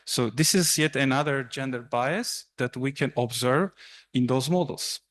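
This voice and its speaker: A young adult man whose first language is Turkish gives a university seminar talk in a lecture room, explaining slides in a halting way with fillers and restarts. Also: mid-range voice, fairly bright tone, a little hiss or hum. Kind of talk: academic presentation.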